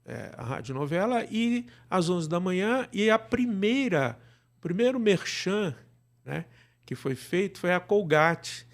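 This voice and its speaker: A man's voice: high voice, big pitch swings, unhurried. A man with a Brazilian Portuguese accent explaining things conversationally as an interview guest, often adding short tag questions. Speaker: guest, radio drama producer.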